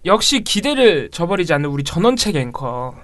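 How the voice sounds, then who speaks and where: A man, a media monitoring activist, commenting on news in a wry, relaxed way. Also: a little high, brisk, crowd noise. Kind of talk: casual chat.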